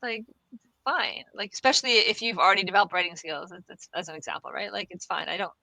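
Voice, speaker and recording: A woman's voice: mid-range voice, quick pace, vocal fry, sharp tone, no echo, poor audio. A woman guest on a casual podcast interview, reassuring and laughing often, repeating herself as she talks. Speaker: guest expert on the future of work.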